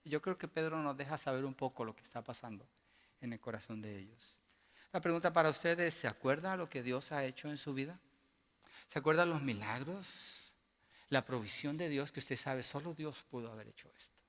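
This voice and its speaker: A man preaching a sermon as pastor, asking his congregation rhetorical questions and building to loud, emphatic passages. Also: medium pitch, normal speed. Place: church sanctuary. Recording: long church-hall reverb.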